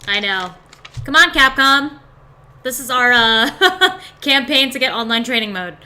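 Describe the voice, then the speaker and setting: A woman taking part in a casual online training session, upbeat and quick to laugh. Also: a little high, lively intonation, bright, forceful tone. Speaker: student player.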